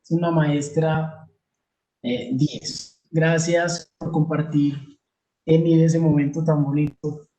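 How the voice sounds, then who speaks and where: Male moderator, effusive and emphatic, mellow slightly high voice, echoey room sound. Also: little pitch movement, slow. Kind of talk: moderating a panel.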